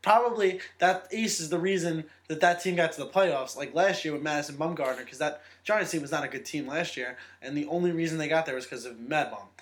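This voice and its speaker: Over noticeable background noise, a man talks at a very fast pace with fairly high pitch and ordinary pitch variation. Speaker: co-host sports fan. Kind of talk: casual sports banter.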